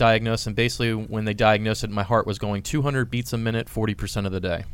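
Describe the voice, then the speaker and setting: Speaking at a very fast pace with hardly any pauses, a man talks at a medium pitch. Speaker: software company co-founder. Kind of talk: interview.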